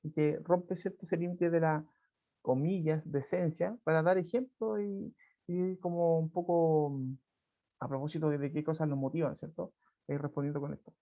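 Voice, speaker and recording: A man's voice: a little high, steady tone, normal speed. Chilean man teaching over a dull call. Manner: conversational, frequent tag questions and restarts. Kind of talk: online class, reading and explaining a folk tale. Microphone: video call. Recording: dull lo-fi video call audio.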